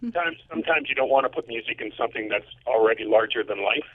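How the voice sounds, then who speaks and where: A man's voice: medium pitch, expressive, fast. A man, an audio producer, chatting casually, with a dull, radio-like sound. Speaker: audio producer who scores the drama. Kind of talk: casual chat.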